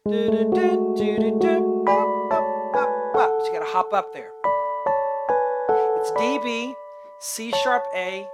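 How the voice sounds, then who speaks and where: A man with a high voice teaching a piano piece step by step, chatting casually as he calls out note names and hums the riffs. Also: lively intonation, slow, pauses often. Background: loud piano playing.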